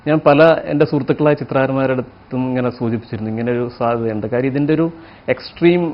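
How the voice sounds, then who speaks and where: A man speaks off the cuff in an interview. His mid-pitched voice comes in quick bursts with halting searches for words, on a dull recording. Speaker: painter being interviewed. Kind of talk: spontaneous interview talk. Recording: muffled, low-fidelity interview audio.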